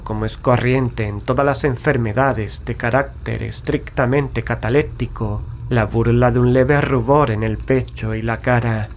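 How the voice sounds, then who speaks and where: A man narrating a gothic horror story in the first person, in a measured, grave, literary manner. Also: medium pitch, slight background noise. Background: background music.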